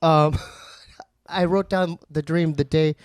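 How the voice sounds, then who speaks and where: A man's voice: a little high, fairly even intonation, slow pace, smooth, no echo, clean studio sound. A man in casual podcast chat, confiding hesitantly with fillers and small laughs.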